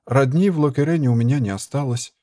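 A man's voice: mid-range voice, fast talker, dark tone, dry recording, studio quality, voice pushed up, lightly acted. A man voicing a frail, timid young girl who pleads in a raised voice, in an audiobook reading. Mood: pleading.

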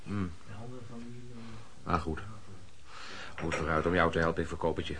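An actor playing a shrewd but sociable peddler in radio drama dialogue, talking in a hesitant, colloquial bargaining manner. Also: male voice, deep voice, level tone, moderate pace, close to an everyday voice. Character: shrewd but sociable male peddler, haggling while acting helpful. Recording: busy room with loud chatter. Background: crowd chatter.

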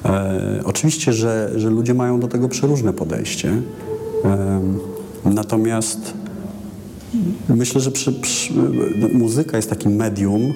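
This Polish musician has a dark, fairly low voice and talks reflectively in an interview, pausing and restarting words as he gathers his thoughts. The recording carries long reverb with music clearly behind him.

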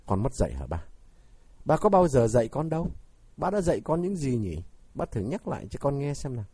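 A bitter, defiant young son from a storybook taunts his father with sarcastic questions, as a man reads him aloud. His husky voice swings widely in pitch and stays dark and close to the mic. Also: sing-song, a little fast, dry recording. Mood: bitter mocking.

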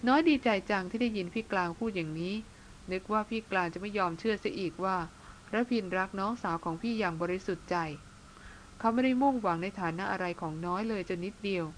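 A woman reads a spirited young sister in a spoken storybook. She speaks earnestly and warmly to her brother, a little pleading at times. Her pitch stays in a natural middle range. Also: fast talker, slight background noise, close to an everyday voice, rough recording.

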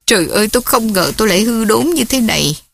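A woman's voice: on the high side, animated, fast, vocal fry. A woman voicing a fragile young woman who pleads with her family. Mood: distraught. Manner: pleading, tearful.

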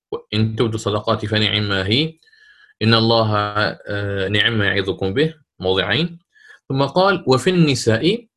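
A man teaching a Quran recitation lesson online. He explains step by step, checks understanding with questions, and recites verses slowly and drawn out. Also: mid-range voice, a bit bright.

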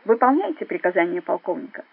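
A bossy henchman, as a woman reader acts him out, barks loud orders. The voice has a husky, breathy edge. The sound is narrow, like a phone line, and it plays as an audiobook. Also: high-pitched, big pitch swings, fast, full character voice. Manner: loud, commanding.

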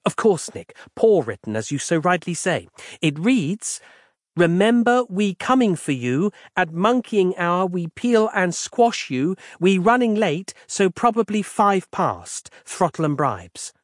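A man's voice: sits high, big pitch swings, measured pace, no room sound, studio quality, pitched above the performer's own voice. A man putting on a prim, chatty young woman. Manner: overly polite, chatty and pedantic. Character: prim, fussy young woman on a walkie-talkie. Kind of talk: audiobook character voice.

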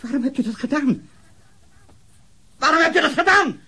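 An actor playing a disturbed, prudish murder suspect in a radio crime drama, halting, repetitive and defensive. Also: male voice, very high voice, lively intonation, sharp tone, heavily acted. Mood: agitated, furious. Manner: halting, repeating himself, defensive.

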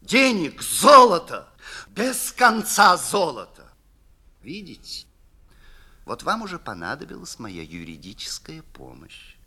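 A scheming devil in a lawyer's guise, put on by a man reading the tale aloud purrs his offers and slips into conspiratorial whispers. The voice leaps wildly up and down with a bright, forceful edge. Stagey classic storytelling in the manner of a theatrical reading. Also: on the high side, very animated, takes it slowly, husky, pitched above the performer's own voice, heavily acted. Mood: sly, persuasive. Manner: insinuating, dropping to sly whispers. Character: sly scheming male devil posing as a lawyer.

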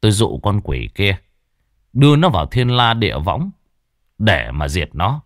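A man voicing a stern middle-aged village exorcist, speaking gravely and with authority. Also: fairly low pitch, very animated, unhurried, no echo, clean studio sound. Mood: commanding. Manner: grave, commanding.

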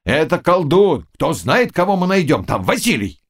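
A man's voice: a little high, sing-song, normal speed, breathy edge, pitched above the performer's own voice, heavily acted. A man voicing rowdy cossacks who jeer and tease a comrade. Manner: jeering, teasing. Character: rowdy mocking male cossacks.

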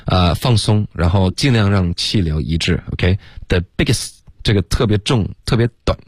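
A man teaching English pronunciation on a radio lesson, correcting each caller and modeling words slowly. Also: deep voice, no room sound, clean studio sound.

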